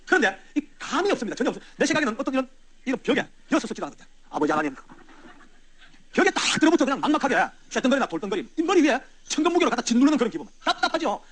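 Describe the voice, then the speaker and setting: A man speaks as a church elder giving a testimony, at a rapid clip and with a fairly high voice. His pitch rises and falls freely as he addresses the audience directly. He moves from loud passages to hushed ones. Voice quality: wide swings from loud to hushed. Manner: animated, conversational, talks straight to the audience. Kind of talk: storytelling testimony sermon.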